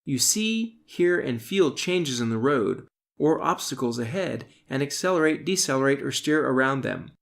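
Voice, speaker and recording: A middle-aged man, an author, reads his self-help audiobook in a deliberate, instructional way, stressing key terms. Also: medium pitch, expressive, vocal fry. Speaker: author reading own audiobook.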